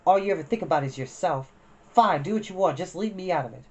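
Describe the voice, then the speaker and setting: A storybook narrator voicing an upset young girl who yells at her little sister, with a sharp raised voice, in a slightly dull lo-fi recording. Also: medium pitch, animated, fast, pitched above the performer's own voice. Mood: angry. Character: upset older sister, a girl, fierce and frantic.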